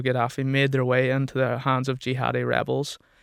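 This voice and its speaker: A man speaks at a fairly quick pace and a medium pitch. His intonation is monotone and flat. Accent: Donegal. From Ireland, Donegal. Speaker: aid worker. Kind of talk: radio interview. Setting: radio studio.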